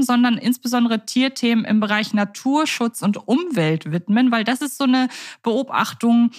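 A woman's voice: on the high side, dry recording. Woman podcast host, close dry sound. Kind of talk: conversational podcast moderation.

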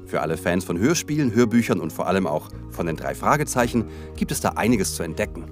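A man's voice: deep voice, fast. A man co-hosting a podcast, reading the scripted outro in an upbeat way. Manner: lively, upbeat announcing. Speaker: podcast co-host. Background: music.

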